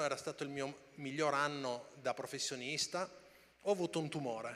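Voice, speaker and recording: At a moderate pace, a man talks in a fairly high pitch. His tone is bright and sharp, with ordinary pitch variation. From Trieste, northeastern Italy. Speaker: former pro basketball player, church speaker. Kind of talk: testimony. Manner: casual, conversational.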